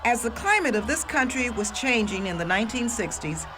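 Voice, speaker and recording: A woman gives formal, explanatory commentary. Her voice is slightly high, with music clearly audible underneath. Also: very animated, a little fast.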